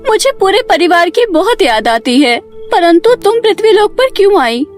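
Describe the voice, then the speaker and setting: Woman as an extremely high-voiced devoted serpent mother. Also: very animated, moderate pace, faint music behind. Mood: emotional, joyful. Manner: earnest, emotional, pleading. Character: devoted, pleading serpent woman raising a foster child.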